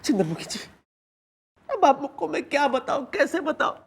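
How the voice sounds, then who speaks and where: An actor playing a melodramatic, scheming officer in a sitcom, pleading and flattering over the top. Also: male voice, extremely high pitch, moderate pace, creaky, full character voice. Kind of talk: sitcom acting.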